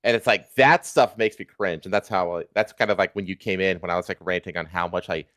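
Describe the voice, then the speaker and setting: A man with a fairly low voice, recorded dry and close to the ear. He rants casually like a livestream host, swearing often and repeating himself for emphasis. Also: steady tone, quick pace, a bit bright, no room sound. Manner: profane, emphatic, repetitive. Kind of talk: casual ranting chat.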